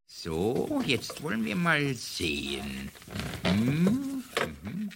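An actor playing a scatterbrained, excitable elderly archivist in a radio play, muttering and exclaiming theatrically. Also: male voice, mid-range voice, drawn-out words, gravelly, noisy background, heavily acted. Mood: absorbed, muttering. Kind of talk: 1970s-80s German radio play acting.

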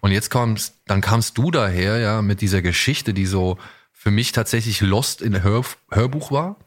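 A man with a lowish voice and moderate pace hosts a casual podcast on audio dramas. He speaks with enthusiasm, rambles, and often corrects himself.

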